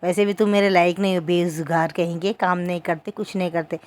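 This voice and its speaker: A woman's voice: lowish voice, steady tone, brisk, a little mellow, natural voice. A woman voicing a blunt young woman who mocks and scolds her friend. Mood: scolding. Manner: scolding, mocking insults.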